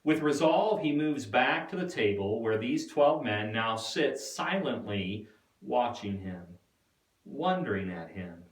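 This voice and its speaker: A man giving a dramatic scripted narration with deliberate, expressive storytelling. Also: medium pitch. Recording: echoey room, distant mic.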